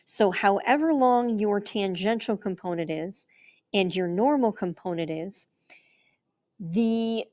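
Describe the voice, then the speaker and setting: A woman's voice: medium pitch, darkish tone. A woman math teacher working through a proof aloud in a chatty, casual way, talking herself through each step.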